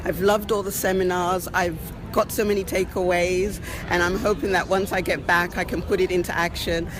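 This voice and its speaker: A woman's voice: lowish voice, level tone, crowd noise. A woman from Maryland, a first-time convention attendee, speaking eagerly with a few restarts. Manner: eager, slightly halting.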